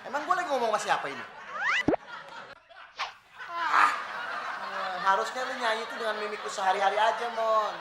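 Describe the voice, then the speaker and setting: Boastful know-it-all. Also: male voice, sits high, lively intonation, fairly quick, pauses often. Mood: mocking. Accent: Jakarta Indonesian. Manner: teasing, boastful. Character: know-it-all young man bragging about his degree. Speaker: comedian. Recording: echoey, noisy TV set.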